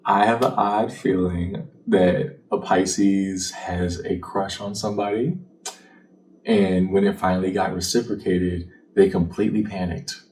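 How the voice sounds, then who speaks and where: A man whose voice sits low speaks in a steady tone at a measured pace, sounding a little mellow. He talks conversationally to the viewer as a tarot card reader who tells fortunes, checking in with "right?" Faint background noise comes through the distant mic.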